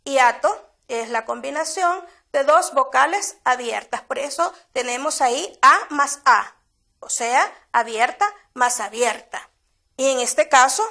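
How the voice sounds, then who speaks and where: A woman teacher with a Honduran Spanish accent delivers a televised grammar lesson. Her voice sits high and carries a gravelly, creaky edge. She explains slowly and deliberately, repeating key words for her students. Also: fairly bright tone.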